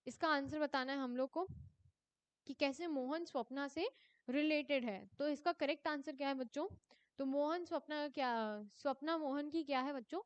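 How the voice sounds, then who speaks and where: A young woman teacher going through an exam paper, reading each question slowly and then explaining quickly in Hindi mixed with English, calling her students children. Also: sits high, fairly even intonation, dry recording, dull audio. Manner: addresses students as children, ends answers with a falling tone.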